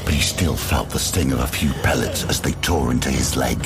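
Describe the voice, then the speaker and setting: A man narrating a gothic horror drama in an ominous, deliberate, theatrical storytelling manner. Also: very deep voice. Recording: loud cinematic music bed. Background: loud dramatic music.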